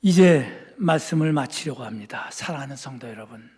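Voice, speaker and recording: A man from Seoul preaching a sermon as pastor, moving between fervent shouting and hushed, soft-spoken asides. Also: mid-range voice, lively intonation, a little fast, slightly rough. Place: church sanctuary. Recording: long reverb in a church sanctuary.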